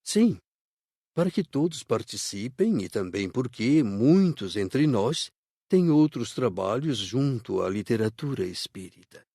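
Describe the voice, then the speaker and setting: A man playing a kindly spirit worker who explains things in a measured way for an audiobook. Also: mid-range voice, big pitch swings, mellow, slightly rough, dry recording, studio quality, full character voice. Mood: instructive. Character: adult male spirit worker guiding visitors, kindly and instructive. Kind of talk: scripted audiobook dialogue.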